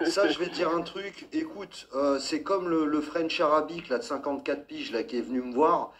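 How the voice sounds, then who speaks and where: A man's voice: fairly high pitch, normal speed, a bit bright, slight background noise. Blunt slangy male stream host. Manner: blunt, slangy, addresses caller as brother. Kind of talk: casual talk on a live stream.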